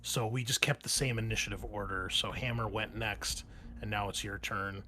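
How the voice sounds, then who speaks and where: A man's voice: fairly low pitch, steady tone, normal speed, sharp tone, slight background noise. A man, acting as game master in a casual tabletop session, explaining rules informally as he goes.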